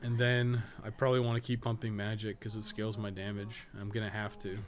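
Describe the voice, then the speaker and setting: A podcast co-host and game streamer chats loosely and rambles during a live gaming stream, swearing a fair amount. His voice is on the low side, level in tone, and brisk.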